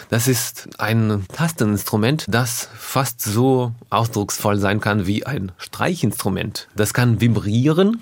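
A man from Russia, a native Russian speaker, talking as a musician guest in a radio interview, thoughtful and often pausing to find his words. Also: lowish voice, dry recording. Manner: thoughtful, searching for words with pauses.

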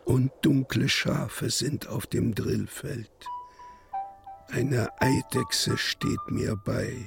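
A defiant, brooding prisoner-poet in a literary radio play. He declaims very slowly and solemnly, with weighty pauses and a creaky voice. The delivery rises and falls widely, incantatory and grave. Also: mid-range voice, heavily acted. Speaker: actor reciting poetry in a radio play. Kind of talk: German literary radio play, dramatic poetic recitation.

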